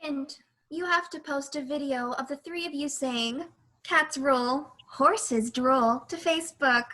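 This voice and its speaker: A woman playing a possessive, aloof girl in a cat club, drawn-out and theatrical, for a comedy sketch. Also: high voice, pushed and bright. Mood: demanding. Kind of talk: comedy sketch staged reading.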